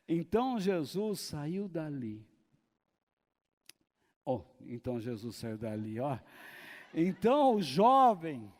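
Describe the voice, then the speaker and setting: A man preaching a sermon as pastor, slow and deliberate, breaking now and then into shouted dramatizations. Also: on the high side. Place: church hall. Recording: long hall reverb.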